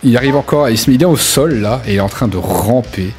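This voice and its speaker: A man's voice: medium pitch, expressive, quick pace. A man narrating a tabletop role-playing game as game master, informally and with relish for gory detail. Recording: music laid under the voice. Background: background music.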